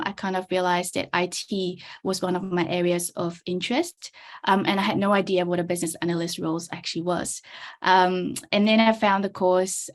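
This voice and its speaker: A young woman from the Czech Republic presenting her career story in a chatty webinar talk. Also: fairly low pitch. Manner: chatty, many fillers and restarts. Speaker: webinar speaker, business analyst. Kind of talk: presenting over shared slides.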